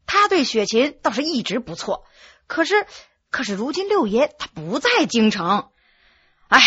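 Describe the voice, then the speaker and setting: A woman's voice: a little high, a bit bright, breathy edge, dry recording, dull audio, exaggerated voice. A woman voicing a jovial teasing man. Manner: chatty and teasing. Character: male friend, jovial and teasing.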